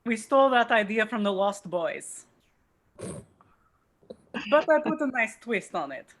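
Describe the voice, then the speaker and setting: A woman playing a smug, deadpan male vampire in a table read of a comedy film script over a video call. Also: fairly high pitch, slow, heavily acted. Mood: smug, teasing.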